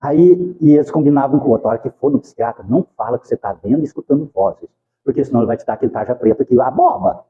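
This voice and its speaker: A man's voice: mid-range voice, animated, rapid-fire, narrow, tinny audio. A Brazilian man giving an informal spiritist talk, telling folksy stories, acting out dialogue and asking rhetorical questions. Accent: Brazilian Portuguese. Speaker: spiritist lecturer. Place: spiritist centre hall.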